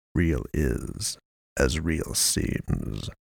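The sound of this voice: Booming and very deep, a man's low-pitched voice comes through as a put-on character voice.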